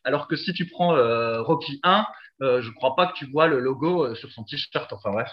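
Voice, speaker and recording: A man's voice: medium pitch, animated, normal speed, lo-fi sound. A man hosting a podcast in casual chat, talkative with lots of fillers and frequent laughter. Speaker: podcast host.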